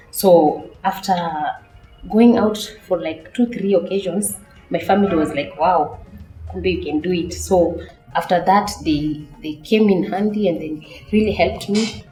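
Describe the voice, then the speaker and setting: A woman's voice: lowish voice, warm tone. A woman with a Kenyan accent giving a personal account in a documentary interview. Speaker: election candidate. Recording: echoey room, music underneath. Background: background music.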